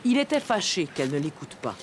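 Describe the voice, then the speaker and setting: A woman giving calm, explanatory scripted narration for a children's cartoon. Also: deep voice, brisk, very noisy.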